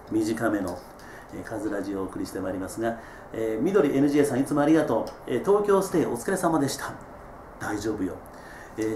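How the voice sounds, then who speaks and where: A middle-aged man, hosting a casual solo radio-style chat. He reads out listener messages in a relaxed, chatty way, with many drawn-out filler sounds. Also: medium pitch, noisy background. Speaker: host reading listener messages. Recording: roomy echo.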